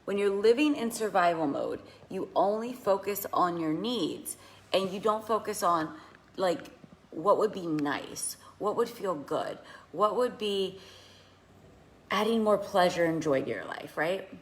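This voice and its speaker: A slightly raspy woman giving an earnest coaching talk on a live video, asking her listeners questions. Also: medium pitch, expressive, unhurried, a little hiss or hum. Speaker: money mindset coach. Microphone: phone held in hand.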